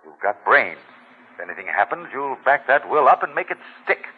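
A man's voice: medium pitch, very animated, a little fast, slight background noise. An actor playing a stubborn, insistent elderly wealthy man, blunt and commanding, heard as an old radio broadcast recording. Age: older. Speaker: wealthy client. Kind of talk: 1940s radio acting. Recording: thin, narrow-band old radio recording.

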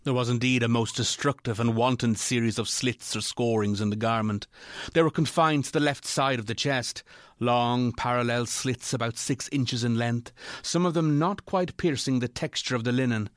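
A man narrating a literary ghost story in a measured, formal way. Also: medium pitch, dry recording, studio quality, natural voice.

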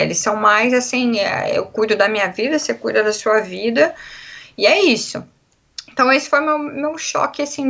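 A young Brazilian woman speaks in a Brazilian Portuguese accent, chatting freely as an interviewee and acting out quotes along the way. Her voice sits a little high, and the recording is somewhat muffled and lo-fi. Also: vocal fry. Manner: chatty, animated storytelling with acted-out quotes. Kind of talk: casual conversational interview.

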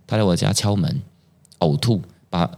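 A man's voice: low voice, normal speed, vocal fry. A middle-aged man with a Taiwanese Mandarin accent, telling personal stories as a podcast guest and acting out the quoted dialogue. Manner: animated storyteller who acts out quoted dialogue. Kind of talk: personal storytelling in conversation.

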